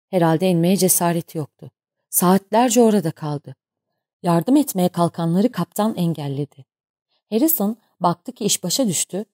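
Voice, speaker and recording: Audiobook narrator, woman, steady and measured, mellow warm tone. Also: on the low side, no echo, studio quality. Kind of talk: scripted narration.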